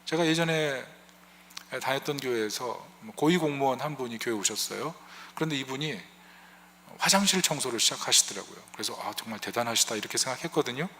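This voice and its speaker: A male pastor delivers a sermon in a church sanctuary, and his bright, forceful voice carries with a long reverb around it. He talks to the congregation conversationally, throws out rhetorical questions, and briefly voices the prayers he quotes. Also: mid-range voice, animated, a little fast, slight background noise.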